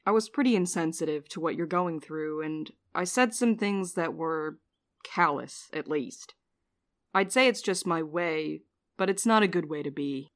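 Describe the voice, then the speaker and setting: A woman's voice: sits low, unhurried. A woman playing a wry, guarded, sleep-deprived mail courier in an audio drama, speaking in a dry, weary way. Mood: gentle, apologetic. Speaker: lead actor in a fiction podcast. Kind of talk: naturalistic audio drama acting.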